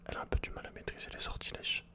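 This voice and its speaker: A man with a French accent whispering casual, intimate ASMR video game commentary in a breathy, unvoiced voice, speaking informally to the listener. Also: racing. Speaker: ASMR gaming host.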